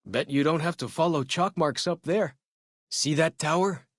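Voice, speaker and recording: A man's voice: on the high side, moderate pace, fairly bright tone, no echo, studio quality. A man playing a friendly, curious young tribal scout and guide in a video game, chatty and folksy. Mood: curious, wondering. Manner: folksy, chatty, inquisitive, easygoing phrasing. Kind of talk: video game companion dialogue.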